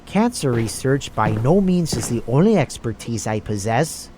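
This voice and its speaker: A man's voice: medium pitch, big pitch swings, moderate pace, noisy background, lightly acted. A man playing a gloating, villainous doctor and drug-addicted schemer in an audio drama, talking in a theatrical, smug and menacing way. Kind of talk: amateur audio drama acting.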